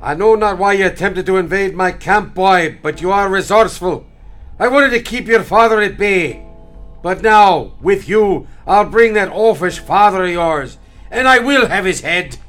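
A man's voice: high voice, lively intonation, moderate pace, fairly bright tone, soft background music. An actor playing a proud, menacing old king, commanding and sneering in an audio drama. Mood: taunting. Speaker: villain.

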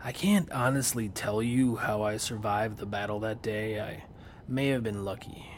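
An actor playing a grave warrior, telling his own story in a solemn, hushed first-person narration. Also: lowish voice, normal speed, slight background noise, natural voice. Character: grave Viking warrior man recounting his past.

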